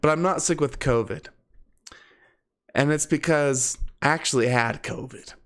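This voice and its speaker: A man's voice: a little high, unhurried, fairly bright tone, clear, resonant tone. A man with a slightly congested, sniffly voice from a cold, chatting casually and conversationally to his live stream viewers. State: sick with a cold.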